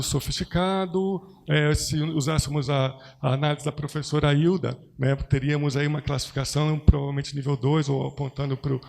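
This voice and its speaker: A man presenting research at an academic conference, speaking in a measured, explanatory way with frequent hesitations. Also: on the high side, vocal fry, darkish tone.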